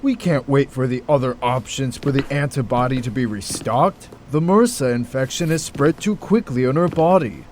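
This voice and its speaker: A man's voice: mid-range voice, moderate pace, few pauses, a little mellow, slight background noise, lightly acted. Man playing an earnest, overworked hospital doctor. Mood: resolute. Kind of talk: audio drama acting.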